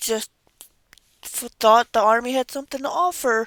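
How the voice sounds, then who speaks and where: Mumbling from a woman at a fairly high pitch and fairly slow pace, in a very clean, dry, close recording with a silent background and no echo. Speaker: amateur history researcher; parent. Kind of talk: casual history narration. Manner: somewhat mumbled.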